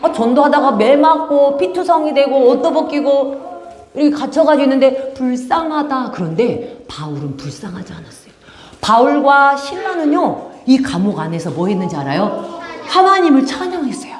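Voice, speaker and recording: A woman's voice: high-pitched, very animated, normal speed, roomy sound. A woman teaching children in a church service, telling a story with lots of questions to the kids. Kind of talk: children's sermon. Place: church room.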